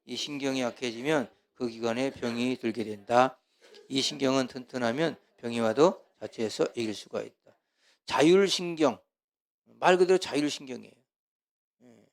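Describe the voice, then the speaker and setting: A middle-aged man teaching as a pastor in a casual, chatty way, with asides, and acting out quarrels in a loud voice. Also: medium pitch, normal speed. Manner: chatty, asides and laughs, acts out quarrels loudly. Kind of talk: casual church teaching talk.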